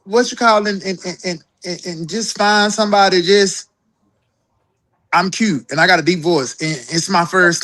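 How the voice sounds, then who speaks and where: A woman's voice: medium pitch, fairly bright tone. A trans woman co-hosting a podcast, talking heatedly in a casual group chat, repeating words, cursing and calling the others "girl". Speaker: podcast co-host.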